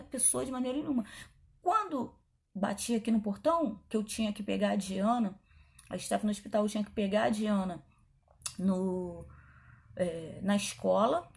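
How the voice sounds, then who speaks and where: A middle-aged woman pastor, telling her testimony in a chatty, animated way, acting out the dialogue as she goes. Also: a little high, creaky, breathy edge. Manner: animated, chatty, frequent asides and quoted dialogue. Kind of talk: testimony storytelling.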